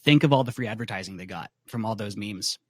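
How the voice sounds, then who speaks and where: A man's voice: fairly low pitch, fast, a bit bright, no room sound, studio quality. A man talking casually on a podcast, making his points in a matter-of-fact way. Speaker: podcast panelist.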